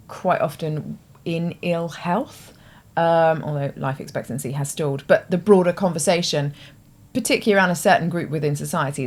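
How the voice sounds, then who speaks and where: Low-voiced British woman explaining. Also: darkish tone. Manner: thoughtful, conversational, explains with hedging asides. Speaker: host. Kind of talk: explanatory talk to camera.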